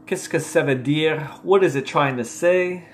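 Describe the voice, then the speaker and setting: A man's voice: a little high, measured pace, a little hiss or hum. A man casually studying flashcards aloud, repeating words and laughing at his own mistakes. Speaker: language learner vlogger.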